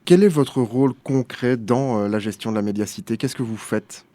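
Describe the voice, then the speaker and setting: Mellow-voiced male radio host. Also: mid-range voice, moderate pace, dry recording. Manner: neat, reads out questions. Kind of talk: radio interview, scripted intro.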